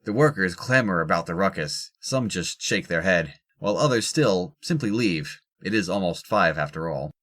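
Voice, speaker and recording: A man's voice: deep voice, animated, normal speed, hardly any pauses, fairly bright tone. A man reading scripted narration for an audio drama.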